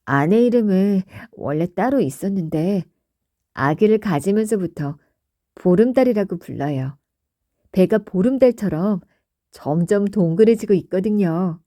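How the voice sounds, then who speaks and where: Gentle otter dad-to-be voiced by a woman for a storybook: polite, humble, slow and mellow. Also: mid-range voice, expressive, dry recording, clean studio sound, natural voice. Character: polite gentle male otter, expectant father.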